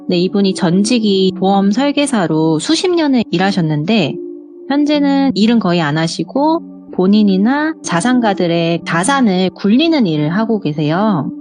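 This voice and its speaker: A woman tells real-life scary stories as a guest, in a conversational style. Her mid-pitched voice moves in a lively way, with faint music playing behind it. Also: moderate pace. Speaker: guest storyteller sharing true scary stories. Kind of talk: conversational storytelling.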